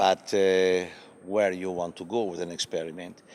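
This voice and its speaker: A man speaks with an Italian accent at a moderate pace. His intonation is monotone and flat. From Italy. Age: 70s. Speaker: opera director. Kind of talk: interview.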